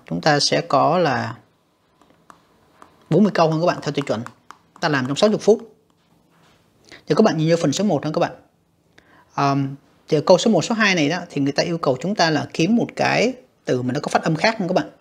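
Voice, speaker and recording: A woman with a lowish, slightly husky voice walks through an exam as a teacher. She speaks patiently, repeating herself and filling pauses as she explains each answer. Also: expressive. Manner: patient, repeats words, frequent fillers. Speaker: English teacher. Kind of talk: exam walkthrough lesson.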